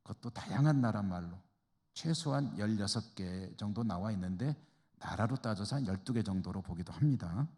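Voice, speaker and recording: A man's voice: fairly low pitch, lively intonation, moderate pace, mellow. Male pastor teaching bible study in a hall. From Chungcheong, Korea. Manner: conversational, rhetorical questions to the class. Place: church hall. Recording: reverberant church hall.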